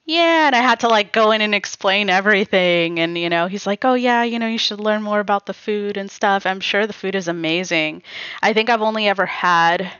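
A woman's voice: mid-range voice, fairly bright tone, smooth, no echo, lo-fi sound. A woman in a casual interview, talking reflectively about her family and peppering her speech with "you know" and "like.". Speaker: guest. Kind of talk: casual personal conversation.

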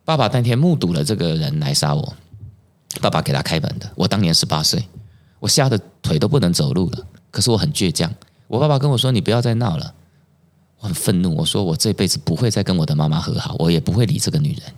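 A man's voice: low voice, fast talker. A middle-aged man with a Taiwanese Mandarin accent, telling personal stories as a podcast guest and acting out the quoted dialogue. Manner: animated storyteller who acts out quoted dialogue. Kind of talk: personal storytelling in conversation.

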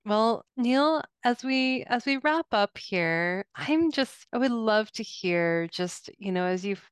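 A woman's voice: on the high side, animated, slow, clear, resonant tone, no room sound, clean studio sound. A woman co-hosting a conversational interview, speaking in an affirming manner. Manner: affirming, frequent soft agreement. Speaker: interviewer, co-host.

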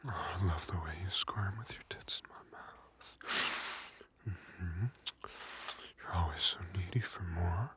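A man whispering a slow, coaxing intimate audio roleplay in a soft, breathy voice. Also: low voice, background noise.

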